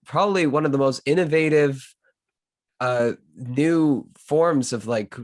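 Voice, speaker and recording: A man's voice: on the high side, a little slow, no echo. A man hosting a casual podcast interview, talking informally with loose slang and some swearing.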